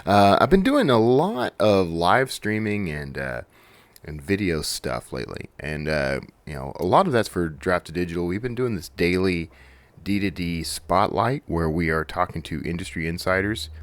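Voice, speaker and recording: A man's voice: low voice, animated, normal speed, no echo. A man hosting a podcast, chatting casually and solo in a rambling, conversational way that often doubles back on itself. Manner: rambling, conversational, self-interrupting. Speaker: podcast host.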